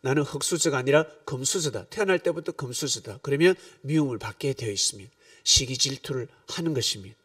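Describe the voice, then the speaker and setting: Man preaching a lively sermon. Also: mid-range voice, brisk, no echo, clean studio sound, distant mic. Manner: animated storytelling, shifts between calm preaching and sudden loud outbursts. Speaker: pastor.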